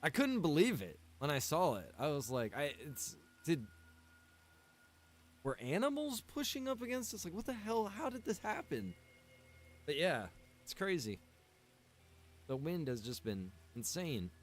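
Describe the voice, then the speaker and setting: A man's voice: a little high, big pitch swings, unhurried, long pauses. A man livestreaming from a room at home, chatting casually with his viewers in a rambling way full of "like" and "man". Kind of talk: casual chat with stream viewers.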